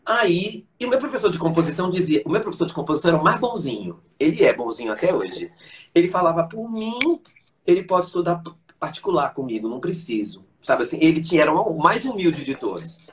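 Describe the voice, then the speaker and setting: Guy, voice teacher, telling stories on a live interview, pitch jumps all over, does the voices of people he quotes. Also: fast. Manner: animated storyteller who acts out quoted voices. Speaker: guest, voice teacher and conductor. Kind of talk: live-stream interview storytelling.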